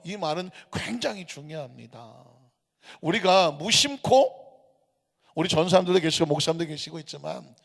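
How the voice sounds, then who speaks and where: A high-voiced man preaches a sermon, pitch swinging widely as he throws questions at the congregation. His voice carries a gravelly edge. The sound rings with the long reverb of a church sanctuary. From Seoul. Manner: animated, rhetorical questions to the congregation. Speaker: pastor.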